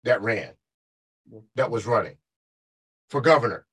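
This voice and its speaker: A man's voice: mid-range voice, expressive, a little slow, fairly bright tone, breathy edge, low-quality recording. A man hosting a radio talk show, pressing his co-host with probing questions, interrupting and teasing. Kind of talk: heated talk-radio debate.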